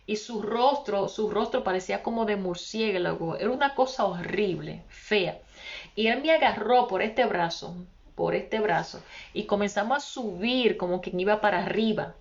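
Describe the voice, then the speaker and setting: A woman's voice: mid-range voice, normal speed, creaky, muffled recording. A woman preacher giving an impassioned testimony and addressing her listeners as brothers. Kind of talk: testimony sermon.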